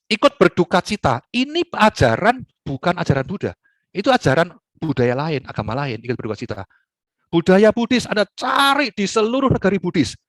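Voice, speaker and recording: Man, Buddhist teacher, fast, slightly high voice, dry close sound, playful live talk. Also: dry recording. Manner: joking, colloquial and lively.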